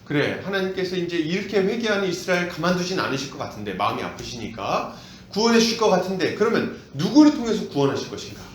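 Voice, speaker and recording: Animated male pastor preaching. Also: sits high, fast talker, roomy sound, slight background noise. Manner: animated, asks the congregation questions. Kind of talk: expository sermon. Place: church.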